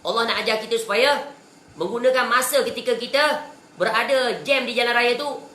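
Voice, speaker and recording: A woman's voice: fairly high pitch, moderate pace, a bit bright, slight background noise. A woman with a Malaysian Malay accent giving a religious lecture, asking her listeners rhetorical questions and mixing in English words. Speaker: religious teacher. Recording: echoey room.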